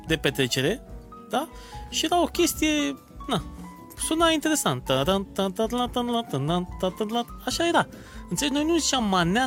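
A man in his forties, a podcast co-host from Romania, telling stories in a chatty, animated way. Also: fairly high pitch. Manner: animated storyteller, chatty and laughing. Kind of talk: casual podcast chat.

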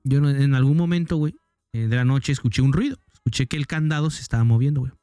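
A man telling a scary story in casual chat, animated and mimicking sounds. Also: medium pitch, quick pace, smooth, dry recording, clean studio sound, soft background music. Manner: animated, mimics sounds, says "güey" constantly. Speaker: podcast co-host.

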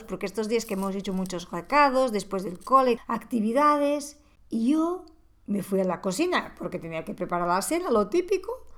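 A woman talking through a reflective monologue on parenting, asking the listener rhetorical questions. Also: fairly high pitch. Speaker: parenting podcast host.

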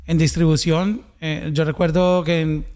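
A man's voice: on the high side, little pitch movement, measured pace, darkish tone. A man from Colombia with a Colombian accent, hosting a conversational interview. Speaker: host.

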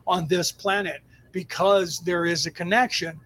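A spiritual teacher answers audience questions on a livestream, giving an off-the-cuff talk to a live chat. His voice sits high and a bit bright, unhurried with fairly even intonation, as he explains emphatically in stop-and-start phrases.

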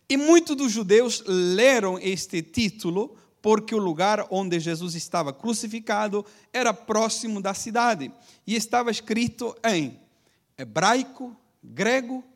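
A man with a high-pitched voice preaches a sermon as a pastor. He teaches step by step, keeps checking in with his listeners through quick tag questions, and leads them in repeating after him.

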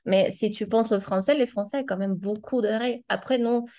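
With a medium-pitched, dark voice and a fairly quick pace, a woman whose native language is Spanish talks as a guest in a casual discussion. A language teacher, she is reflective and halting, reaching for words amid many fillers and restarts.

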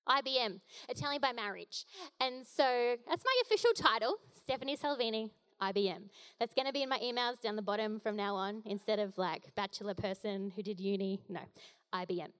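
A woman's voice: medium pitch, a little fast, fairly bright tone, smooth. A young woman giving a casual, jokey sermon as a guest preacher, with playful asides.

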